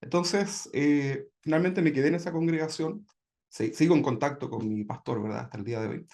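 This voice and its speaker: A Chilean church member gives his personal testimony, talking conversationally and often checking in with tag questions. His voice is fairly high and darkish in tone, and he speaks fairly quickly.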